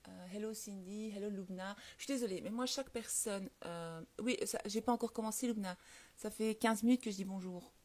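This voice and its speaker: Lively French woman chatting on a live stream. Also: medium pitch, a little fast. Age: adult with children. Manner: lively, laughs often, many fillers. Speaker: host of a live stream on the law of attraction. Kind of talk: casual live chat answering viewer comments.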